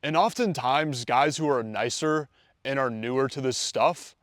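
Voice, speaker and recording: Man, dating coach, confident talk-to-camera, dry close sound, mid pitch. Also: unhurried, fairly bright tone, no echo. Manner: confident, conversational, acts out quoted dialogue. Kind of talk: direct-to-camera coaching video.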